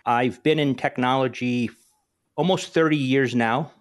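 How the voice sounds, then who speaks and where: A man's voice: mid-range voice, unhurried. A man in his forties who grew up in New Jersey and speaks Greek as his first language, hosting a podcast in an upbeat, chatty way. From northern New Jersey. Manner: talkative and upbeat, with frequent restarts. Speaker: podcast host. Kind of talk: casual podcast conversation.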